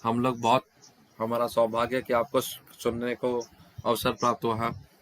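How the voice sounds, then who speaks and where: A man's voice: mid-range voice, monotone, normal speed, a bit bright. A man interpreting questions and answers at a devotional scripture class over an online video call, often breaking off and restarting words mid-phrase.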